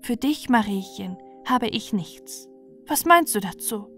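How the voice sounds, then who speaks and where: A woman's voice: mid-range voice, lively intonation, a little slow, a bit bright, soft background music. A woman voicing a tender, kindly winged Christ Child in a storybook. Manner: tender, reassuring.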